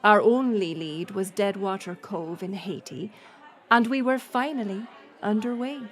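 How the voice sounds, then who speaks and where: Woman playing a slow-talking, teasing pirate smuggler captain. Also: mid-range voice, a faint crowd, lightly acted. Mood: flirtatious, playful. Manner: playful, teasing, sardonic, commanding with crew. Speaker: audio roleplay performer. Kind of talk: intimate audio roleplay storytelling.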